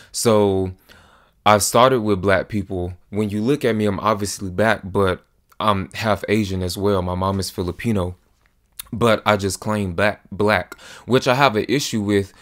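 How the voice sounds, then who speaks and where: A man's voice: on the low side, a bit bright. A man in his twenties talking straight to camera in an earnest, emphatic personal monologue. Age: 20s. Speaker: vlogger.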